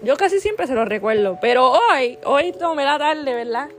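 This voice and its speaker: A woman's voice: high voice, expressive, moderate pace, slight background noise. A woman hosting a podcast, giving a heartfelt devotional talk, earnest and affectionate, peppering her talk with "¿verdad?" and restarting phrases. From Puerto Rico. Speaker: podcast host sharing a devotional.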